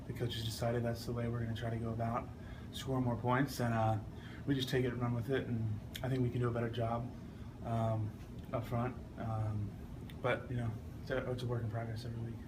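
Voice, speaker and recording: A young man, an athlete answering press scrum questions in a measured, earnest way. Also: medium pitch, little pitch movement. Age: young adult. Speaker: football offensive lineman being interviewed. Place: media scrum with ambient noise. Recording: clearly noisy ambient background.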